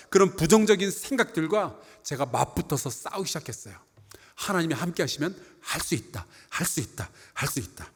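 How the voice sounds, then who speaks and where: A man's voice: fairly high pitch, husky, big-room sound. A middle-aged male pastor preaching a sermon in a church, earnest, with rhetorical questions and repeated phrases. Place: church sanctuary.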